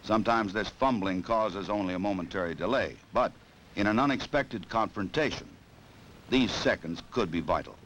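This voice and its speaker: An American man reading scripted 1960s training film narration in a formal, measured, authoritative way. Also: on the low side, fairly bright tone. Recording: noisy old film soundtrack.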